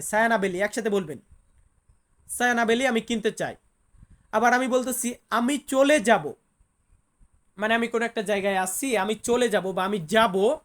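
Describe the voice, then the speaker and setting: A woman, teaching a language lesson online. She patiently repeats each phrase slowly so it can be drilled. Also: on the high side.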